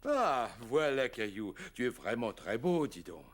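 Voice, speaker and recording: A man voicing a warm, admiring old grandfather in a children's cartoon. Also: medium pitch, big pitch swings, unhurried, faint music behind.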